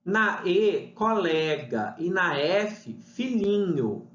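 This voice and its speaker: Slow-talking man teaching a lesson. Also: high voice, big pitch swings, a bit bright. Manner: reads example sentences aloud, then names the answer. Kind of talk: video lesson, reading exercises aloud. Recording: roomy, slightly dull, faint noise.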